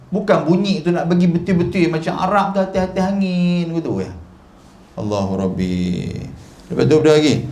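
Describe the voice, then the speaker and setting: A man's voice: a little high, a little mellow, echoey room. A male religious teacher giving a chatty mosque lecture, modelling Arabic letter sounds. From Malaysia. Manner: chatty, demonstrative, repeatedly modelling Arabic pronunciation.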